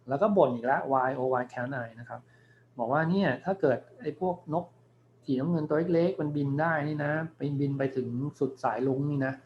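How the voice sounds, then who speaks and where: A male university lecturer giving a recorded class, explaining patiently and reading English words slowly for his students. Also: medium pitch, muffled recording, slight background noise. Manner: explains patiently, thinking aloud with many polite particles.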